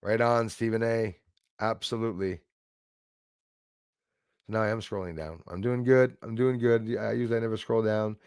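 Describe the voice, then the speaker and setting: A man's voice: on the low side, fairly even intonation, normal speed, long pauses, a little mellow, clean tone, no room sound, studio quality. A man from Quebec with a Quebec English accent, hosting a casual livestream and rambling through chat with lots of fillers. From Quebec, Canada. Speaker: livestream host reading chat.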